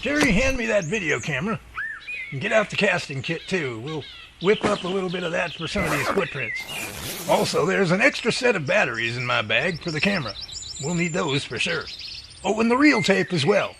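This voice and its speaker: A man's voice: sits high, sing-song, a little fast, creaky, full character voice. A man playing a folksy, jovial, long-winded Bigfoot research professor in an audio drama. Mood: busy, folksy. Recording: heavy outdoor nature noise behind voice.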